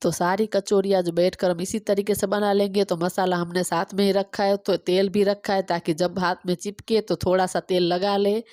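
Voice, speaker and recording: A woman in her thirties from Gujarat, native Gujarati speaker, chatting quickly through a home cooking and cleaning vlog on a phone camera. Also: medium pitch, little pitch movement, darkish tone, no echo. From Gujarat, India. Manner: fast-talking, chatty step-by-step explaining. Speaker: vlogger.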